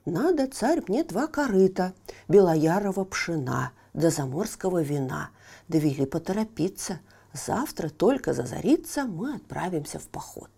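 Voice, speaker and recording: Woman doing a sweet little magic horse, soft caring voice, slow and warm, fairy tale. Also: fairly high pitch. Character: kind wise little humpbacked horse.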